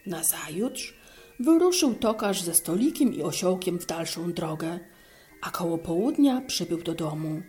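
Slow mellow woman reading a fairy tale. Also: on the low side, very animated. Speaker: narrator.

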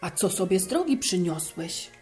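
A woman's voice: on the low side, very animated, moderate pace, a little mellow, soft background music. A woman voicing an old tailor father in a fairy tale, scolding in indignant exclamations.

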